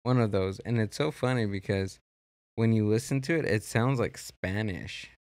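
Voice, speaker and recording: A man's voice: on the low side, darkish tone, no room sound. A man hosting a casual podcast chat, rambling and restarting his sentences often in a studio. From Mexico. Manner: rambling, halting, many restarts. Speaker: podcast host.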